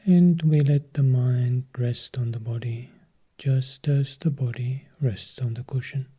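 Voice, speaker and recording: A man guides a meditation at a very slow, unhurried pace, letting long pauses sit between short phrases. His voice is deeply mellow and dark, with a husky, breathy grain that often drops to a half-whisper. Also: fairly even intonation. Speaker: Buddhist monk leading meditation.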